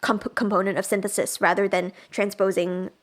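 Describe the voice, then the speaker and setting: A woman's voice: mid-range voice, flat delivery, moderate pace. A woman trainer teaching music production in a casual, chatty livestream style, thinking aloud as she demonstrates. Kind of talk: casual livestream software tutorial.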